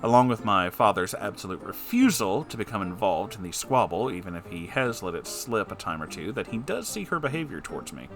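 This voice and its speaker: A man's voice: lowish voice, very animated, a little fast, hardly any pauses, over music. A man hosting a letter-reading show, performing listeners' letters expressively and answering with wry, conversational advice. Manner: theatrical, wry asides.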